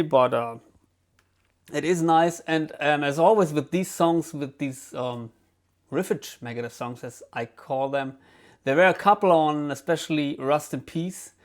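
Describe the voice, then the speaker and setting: German guy casually chatting about an album, lots of ums, mid pitch. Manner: relaxed, hesitant, lots of ums and restarts. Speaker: guitar channel host.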